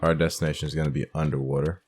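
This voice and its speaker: Very deep-voiced man giving casual game commentary. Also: flat delivery, very fast, darkish tone. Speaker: gaming streamer playing through a game. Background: game music.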